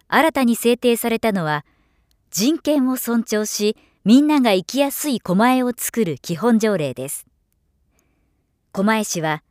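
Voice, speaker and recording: A woman's voice: a little high, no room sound. Polished female narrator, dry studio sound. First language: Japanese. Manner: clearly articulated, measured, formal. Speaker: professional voice-over narrator. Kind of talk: polished scripted narration for demos.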